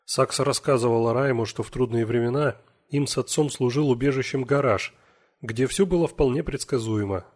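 A man narrating an audiobook in a measured, even reading. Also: mid-range voice. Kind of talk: scripted narration.

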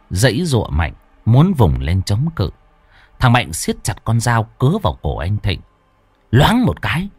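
A man's voice: mid-range voice, slightly rough. A man narrating a ghost story in a dramatic storytelling manner. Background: faint background music.

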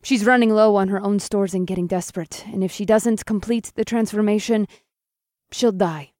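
A man's voice: high voice, steady tone, normal speed, darkish tone, dry recording, studio quality, pitched above the performer's own voice, close to an everyday voice. A man voicing a confident, smirking vampire woman who speaks in a sly, matter-of-fact way. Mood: cool.

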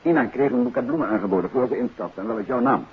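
An actor playing a composed, courteous detective in 1950s radio drama style, urgent but reassuring, on an old radio recording. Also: male voice, mid-range voice, racing, breathy edge, narrow, tinny audio. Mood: businesslike, urgent.

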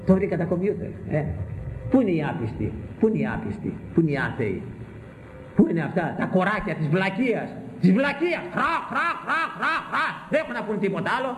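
Animated older man preaching, high voice. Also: a little hiss or hum. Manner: animated, mocking, rhetorical questioning. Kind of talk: sermon on scripture. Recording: echoey room.

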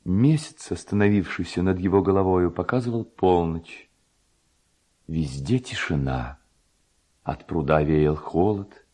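Mellow, low-voiced male storyteller. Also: measured pace. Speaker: narrator. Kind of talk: dramatic literary storytelling.

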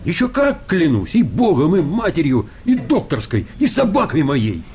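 A man's voice: a little high, huge pitch swings, moderate pace, a little mellow. An actor playing a timid, educated man in a radio comedy, polite and fussy, easily flustered and protesting hesitantly. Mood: flustered, insistent. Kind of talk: radio play comedy acting.

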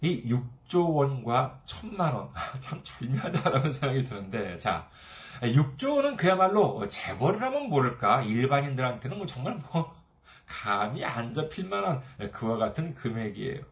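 A man preaching a sermon as pastor, retelling a parable and briefly acting out its characters' voices. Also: moderate pace. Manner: storytelling, acting out parable voices with lively pitch swings.

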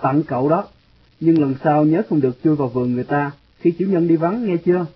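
Man voicing a gently scolding middle-aged wife. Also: fairly high pitch, fairly quick, husky. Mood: gentle scolding. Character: middle-aged wife, startled then kindly. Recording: dull lo-fi audio, faint music.

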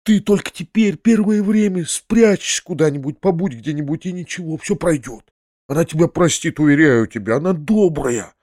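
A man voicing a timid, frightened middle-aged gentleman in an audiobook, pleading in a flustered, raised voice. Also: fairly high pitch, animated, moderate pace, dry recording, studio quality, voice pushed up. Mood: hushed, coaxing. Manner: flustered, pleading, half-whispered at times. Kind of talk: audiobook character voice.

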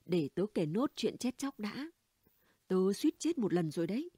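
A brash, gossipy middle-aged neighbor woman, voiced by a female reader spills stories in a chatty, conspiratorial audiobook voice. The tone is warm and mellow with a soft breathy edge. The recording is dry and close. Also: mid-range voice, very animated, moderate pace, dry recording. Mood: gossiping. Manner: chatty, blunt, conspiratorial storytelling. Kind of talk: audiobook character dialogue.

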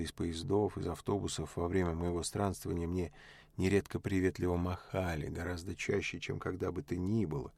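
A young woman on the road turns her thoughts over quietly and at length, as a man reads her inner voice. The voice sits very low with a gravelly edge. It is recorded dry and close, with no room sound. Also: no echo. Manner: quiet reflective inner monologue. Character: young woman traveler musing to herself. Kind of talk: audiobook reading.

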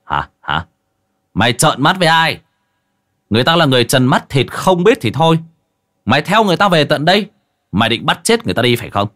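A man's voice: low-pitched, sing-song, brisk, long pauses, a bit bright, exaggerated voice. A man playing a brash, foul-mouthed young exorcist who scolds and interrogates. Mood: scolding.

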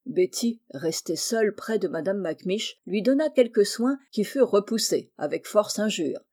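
A woman narrating a classic novel aloud in a steady, clear storytelling manner. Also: medium pitch, normal speed. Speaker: audiobook narrator.

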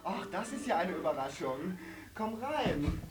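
A man's voice: high-pitched, very animated, measured pace, soft background music. A man acting in a comic radio play as a vain, fussy, theatrical gay homemaker who exclaims and gossips in a camp manner. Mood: flustered, welcoming.

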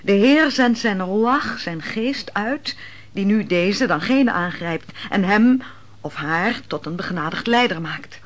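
A shrewd woman who pours wine and lectures in a Dutch radio drama. Her medium-pitched voice is measured and theatrical, with a mocking, didactic bent. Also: expressive. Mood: solemn, didactic. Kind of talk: Dutch radio play acting.

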